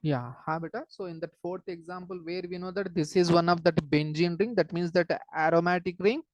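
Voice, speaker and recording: A woman teacher with a South Asian accent and a lowish voice explains things step by step in a dry, close-sounding recording. She repeats key phrases and often stops to check with short questions. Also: steady tone, a little fast, a little mellow, no echo. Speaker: chemistry teacher.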